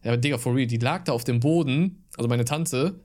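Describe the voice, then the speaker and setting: A man's voice: mid-range voice, fast, a little mellow. A man from the Aachen area co-hosting a podcast, telling stories in a rambling, filler-heavy way. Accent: Aachen German. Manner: rambling storyteller, many fillers. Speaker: podcast co-host. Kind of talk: casual chat.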